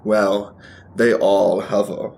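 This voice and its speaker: A man's voice: lowish voice, extremely slow, vocal fry, full character voice. A man acting in a radio play as a wry, catty gay art handler from Missouri, chatty and sardonic in naturalistic dialogue. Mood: teasing, wry.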